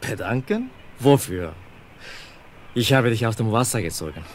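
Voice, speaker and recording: An actor playing a loyal, shrewd sailor who talks in a gruff, plain-spoken, wry way in a radio play. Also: male voice, medium pitch, expressive, moderate pace, slight background noise, close to an everyday voice.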